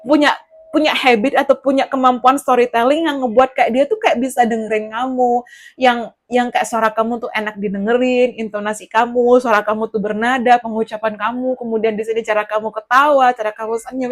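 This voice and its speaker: A woman giving a casual tarot reading straight to the listener, chatty and rambling. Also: a little high. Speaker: tarot reader.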